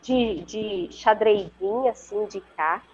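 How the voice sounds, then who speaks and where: Brazilian lady telling a story on a video call, kinda breathy voice, keeps going "sabe?", dull lo-fi sound. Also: medium pitch, takes it slowly, a little mellow. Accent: Brazilian Portuguese. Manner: earnest, vivid, checks in with the listener often. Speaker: interview guest. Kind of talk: conversational storytelling. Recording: muffled lo-fi video call audio.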